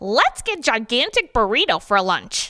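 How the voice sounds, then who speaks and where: A fairly high, put-on character voice from a woman, delivered at a moderate pace. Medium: read story. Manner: casual, jokey.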